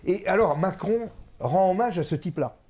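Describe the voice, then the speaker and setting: A middle-aged man discusses politics with conviction, repeating key phrases and filling pauses with hesitations. His pitch swings widely as he presses his points. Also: expressive, darkish tone, husky. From France. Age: 50s. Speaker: author and guest.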